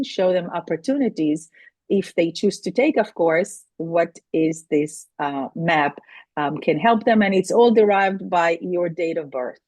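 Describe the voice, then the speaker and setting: A woman's voice: on the low side, darkish tone, no echo. Earnest Israeli-born woman, middle-aged. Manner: earnest, with frequent restarts and non-native phrasing. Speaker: guest, astrology and feng shui consultant. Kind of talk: interview answers.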